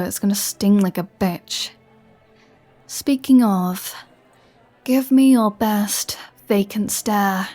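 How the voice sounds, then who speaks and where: Slow, sardonic flirty vampire woman played by an actress. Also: medium pitch, mellow. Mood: wry, playful. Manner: teasing, sarcastic, conversational with sighs. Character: flirty, sardonic female vampire, playful and threatening. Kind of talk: ASMR roleplay audio drama.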